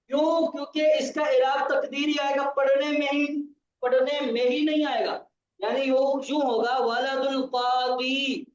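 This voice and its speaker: A male teacher giving a grammar lesson in a patient, repetitive way, checking that his student understands. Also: very high-pitched. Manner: patient, repeats key points, checks understanding. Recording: distant, roomy, dull lo-fi sound.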